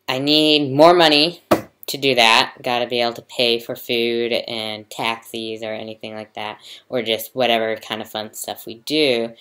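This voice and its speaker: Slow, hesitant young trans man. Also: medium pitch, fairly bright tone. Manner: hesitant, many ums and pauses. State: sick and yawning. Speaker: vlogger. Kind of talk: casual video diary. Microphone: computer mic.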